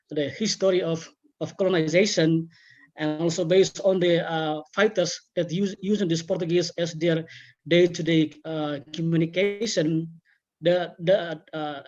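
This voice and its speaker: A man from Timor-Leste whose first language is Tetun, a webinar panelist answering questions haltingly with many restarts. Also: sits high, darkish tone, dull audio.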